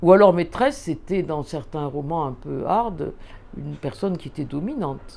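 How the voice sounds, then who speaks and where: A woman speaks at a moderate pace in a very deep, low pitch with a dark, mellow tone and vocal fry. Her intonation is lively and her loudness swings widely. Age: 70s. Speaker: journalist. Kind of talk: interview. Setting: at home. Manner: halting.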